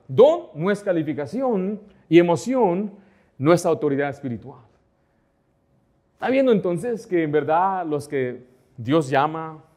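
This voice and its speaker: A man with a notably high voice preaches from the pulpit of a church. He is middle-aged and keeps the congregation engaged with rhetorical questions. He acts out remembered conversations as he goes. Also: darkish tone. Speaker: pastor. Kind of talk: sermon.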